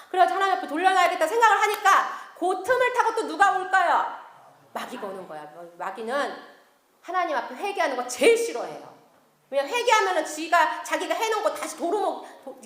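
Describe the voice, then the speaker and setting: A woman missionary giving an animated testimony sermon in a church meeting hall, quizzing her audience as she tells her story. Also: very high voice, a little fast. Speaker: missionary preacher. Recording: echoey hall.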